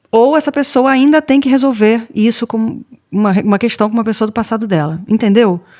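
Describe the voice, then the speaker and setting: Fairly high in pitch yet dark and mellow in tone, this woman's voice shows ordinary pitch variation. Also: fairly quick pace. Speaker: tarot reader. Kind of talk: tarot reading video. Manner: fast; casual, animated.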